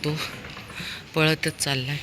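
A woman's voice: sits low, level tone, slow, a bit bright, a little hiss or hum. A woman vlogging her dog, chatting away and fondly scolding and coaxing him. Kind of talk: casual pet vlog commentary. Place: outdoors on a walk, later at home.

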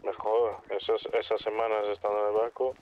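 A man's voice: fairly low pitch, little pitch movement, a little fast. A man speaking Spanish in casual roleplay chat with fellow players in an online game. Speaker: roleplay gamer. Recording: dull radio-like game voice chat.

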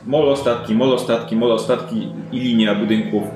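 A man's voice: medium pitch, steady tone, moderate pace, darkish tone, faint music behind. A man running a tabletop role-playing game, improvising descriptive narration in a conversational way. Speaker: game master. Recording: roomy, echoey indoor recording.

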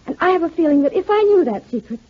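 A woman's voice: extremely high pitch, lively intonation, quick pace. A woman playing a genteel, anxious and insistent wife in a 1940s radio drama. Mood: pleading. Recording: muffled 1940s radio recording.

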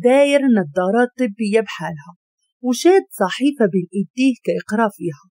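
Expressive Moroccan woman storyteller. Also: a little high, no room sound. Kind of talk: scripted story narration.

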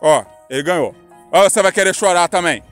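A man's voice: high voice, fairly quick, faint music behind. A young Brazilian man casually commentating an outdoor street football game, calling out to players and teasing them. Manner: excitable, calls out to players, playful teasing. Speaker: host and match commentator.

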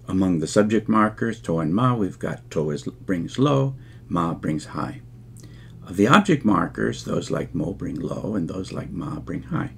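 An older man giving a measured lecture over slides, explaining step by step with fillers and restarts. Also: deep voice, darkish tone, breathy edge. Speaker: linguistics lecturer.

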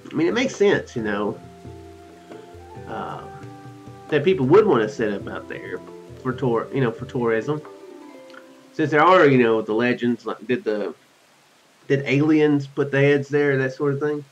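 With lively intonation, an unhurried pace and long pauses, a man in his thirties reads game text aloud and offers rambling, musing commentary. His mid-range voice comes from a small room at home where he hosts a let's play. The audio is dull and lo-fi, with game music playing.

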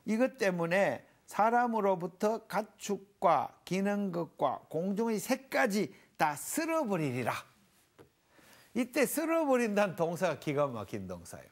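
A middle-aged pastor teaches scripture to a small panel. His pitch swings widely as he works through his points. He explains old Hebrew words with homely everyday examples. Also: very animated, unhurried. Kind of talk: televised Bible lecture with a panel.

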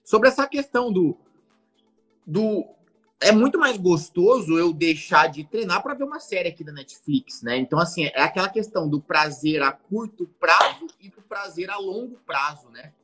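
A man's voice: high voice, animated, moderate pace, a bit bright, soft background music. A man hosting a fitness live stream, thinking aloud with many fillers. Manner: thoughtful, hesitant, with many fillers. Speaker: host of a fitness channel. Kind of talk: casual live-stream chat.

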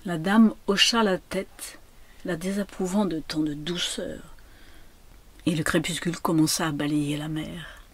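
A woman reading literary prose aloud, with slow, measured, hushed narration. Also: fairly low pitch, steady tone, husky. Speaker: reader.

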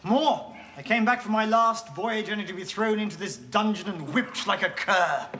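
A man's voice: high-pitched, normal speed, sharp tone. An actor with a British accent playing a stoic, defiant young man held in a dungeon. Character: defiant imprisoned young male nephew.

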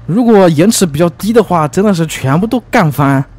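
Excitable man commenting on his gameplay. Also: high-pitched, fairly quick. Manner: excitable, teasing, frequent exclamations and laughs. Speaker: gaming YouTuber. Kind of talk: let's play commentary.

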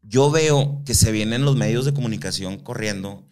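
Man, low voice, slangy storyteller, swears freely. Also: normal speed, a little mellow. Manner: slangy, swears a lot, acts out quoted voices. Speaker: guest. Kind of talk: casual storytelling.

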